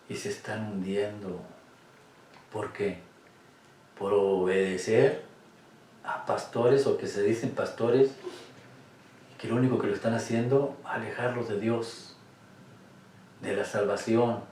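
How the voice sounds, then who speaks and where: Low-voiced man teaching in echoey room. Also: dark tone, slight background noise. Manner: emphatic, asks rhetorical questions. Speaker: Bible study teacher. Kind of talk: Catholic Bible study talk. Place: room with cameras. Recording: echoey room, distant mic.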